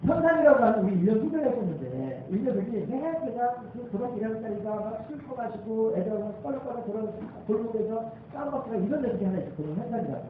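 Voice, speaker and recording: A male pastor telling a story from the pulpit, his voice swinging up and down with animated emphasis. It is picked up from a distance in a very echoey sanctuary, over a thin, phone-like line. A faint hiss sits underneath. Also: high-pitched, quick pace, few pauses. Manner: animated storytelling, building to emphatic calls to the congregation. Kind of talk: sermon. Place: church sanctuary. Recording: tinny, very echoey hall, voice from far off.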